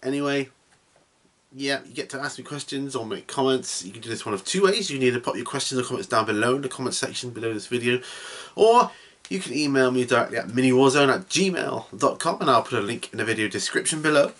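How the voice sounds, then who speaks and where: A husky-voiced man of middle pitch hosts a casual hobby Q&A vlog. He talks in a relaxed, rambling way and pokes fun at himself. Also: quick pace. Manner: chatty, rambling, self-deprecating. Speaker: hobby channel host.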